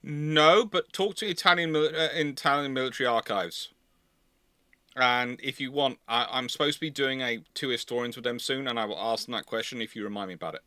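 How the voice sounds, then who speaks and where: A man with a bright, forceful voice explains things live and unscripted as a host. He rambles, doubling back to restart and repeat phrases. The sound is dry and close. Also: medium pitch, fairly quick, no room sound. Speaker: host of a live naval history Q&A.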